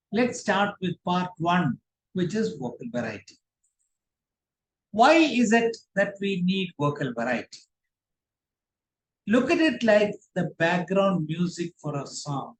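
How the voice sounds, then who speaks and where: A man teaching a public speaking workshop, speaking deliberately in short, emphatic phrases. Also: sits high. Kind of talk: instructional workshop presentation. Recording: roomy, echoing sound.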